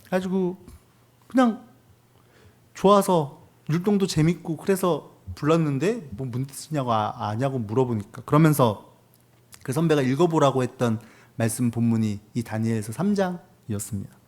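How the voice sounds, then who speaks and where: A man's voice: mid-range voice, moderate pace, darkish tone. A man in his thirties, a pastor delivering a conversational sermon with rhetorical questions. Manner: conversational preaching with acted quotes and rhetorical questions.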